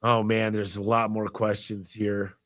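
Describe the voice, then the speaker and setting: A man hosting a live business Q&A, talking in an energetic, motivational, rambling way while congested with a cold. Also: on the low side, a little slow. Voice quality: stuffy, nasal. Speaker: host of a business Q&A livestream. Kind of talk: live Q&A answering viewer questions.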